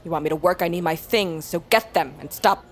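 An actress playing a proud, bitter young tribal butcher, a queen's daughter, defiant and sharp-tongued in an audio fantasy drama. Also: on the low side, brisk, lightly acted. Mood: commanding. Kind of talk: dramatic audio fiction acting.

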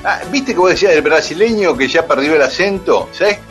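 A man's voice: on the high side, animated, brisk, fairly bright tone, faint music behind. A man with an Argentine accent, telling a story on a radio show in a chatty way, with many "este" and "eh" fillers. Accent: Argentine Spanish. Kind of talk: casual radio chat, storytelling.

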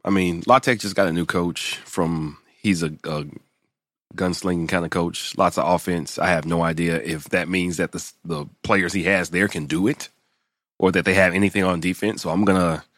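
A hoarse man chatting casually as a sports podcast co-host. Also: deep voice, steady tone, moderate pace, fairly bright tone, dry recording, clean studio sound.

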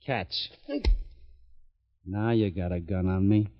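An actor playing a tough, wisecracking homicide lieutenant who also narrates a 1950s radio drama, in dry, clipped lines. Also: male voice, low-pitched, steady tone, takes it slowly. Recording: dull old radio recording with music.

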